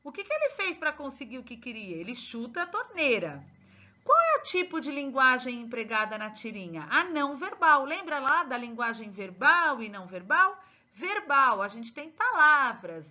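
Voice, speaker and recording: A woman teacher, slowly and emphatically going through exercise answers with her pupils. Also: high-pitched, sing-song, bright, forceful tone. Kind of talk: exercise correction lesson. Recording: dull lo-fi recording.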